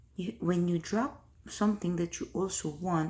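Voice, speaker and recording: A woman whispers with vocal fry. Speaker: life coach. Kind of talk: video diary reflection. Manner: whispering; unscripted, halting.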